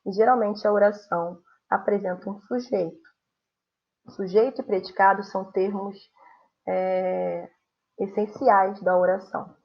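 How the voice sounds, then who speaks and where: A woman's voice: mid-range voice, steady tone, a little slow. A young adult woman with a Brazilian Portuguese accent, teaching a recorded grammar lesson and voicing example sentences with strong intonation. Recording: dull lo-fi sound.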